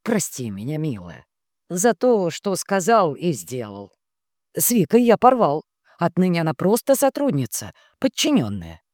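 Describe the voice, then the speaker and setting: A woman voicing a smug, hypocritical husband who talks in a smooth, placating, condescending way. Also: on the low side, wildly swooping pitch, unhurried, a little mellow, no room sound, clean studio sound.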